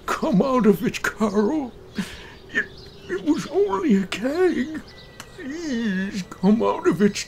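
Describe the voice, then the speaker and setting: A man voicing an excitable old doctor in a horror story, theatrical and emphatic. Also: extremely high pitch, vocal fry, a little hiss or hum, pitched above the performer's own voice, exaggerated voice. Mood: desperate, pleading. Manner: theatrical, emphatic, pleading or gloating. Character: excitable old male doctor, gleeful prankster turning desperate. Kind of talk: dramatized horror story reading.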